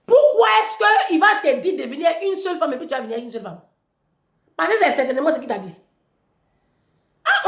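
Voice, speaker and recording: A woman delivering a taunting, provocative vlog rant. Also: sits high. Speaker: vlogger. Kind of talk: mocking monologue to camera. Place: room in France. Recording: echoey room.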